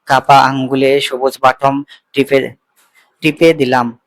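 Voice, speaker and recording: A man narrating a first-person story in a calm, plain reading voice, sometimes correcting himself. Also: mid-range voice, slow, no echo, low-quality recording. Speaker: story reader.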